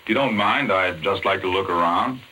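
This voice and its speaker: An actor playing a polite, well-spoken doctor in an old-time radio drama. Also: male voice, low-pitched, normal speed, pushed and bright, slight background noise, low-quality recording. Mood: polite, curious. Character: polite male doctor drawn into a deadly game.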